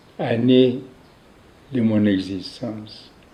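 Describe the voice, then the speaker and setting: Speaking at a very slow pace, a man with a dark, mellow tone keeps his intonation fairly even as room echo is audible around him. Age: 80s+. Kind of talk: address to members. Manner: formal.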